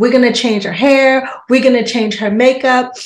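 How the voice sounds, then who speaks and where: A woman's fairly high voice keeps a fairly even intonation, with audible room echo around it. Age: 40s. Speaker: podcast host and actress. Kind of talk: casual interview.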